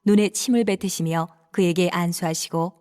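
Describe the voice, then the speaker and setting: A woman narrating scripture in a calm, even, reverent manner. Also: lowish voice, moderate pace.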